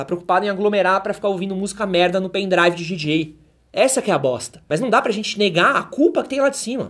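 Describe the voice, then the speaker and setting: Over a quiet background, a man with a high pitch talks at a very fast pace in an animated tone with lively intonation. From Brazil. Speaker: YouTuber; channel host. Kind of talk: rant. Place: studio.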